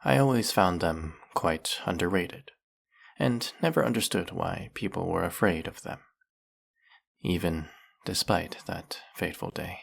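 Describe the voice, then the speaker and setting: An actor playing a snake-headed male villain in an audio roleplay, speaking in a soft, formal, measured way. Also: deep voice, vocal fry, full character voice. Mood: bitter storytelling.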